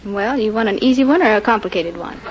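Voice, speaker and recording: A woman, a quiz contestant, explaining things in a brisk, matter-of-fact way. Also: medium pitch, expressive, lo-fi sound. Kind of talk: plain interview answers. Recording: old radio broadcast with audience and hiss.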